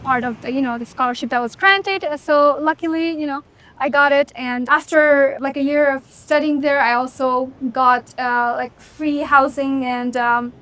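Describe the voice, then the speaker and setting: A young woman from Nepal, a software engineer guest, talking in an easygoing way with lots of "like" and "you know". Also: sits high. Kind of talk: casual interview chat.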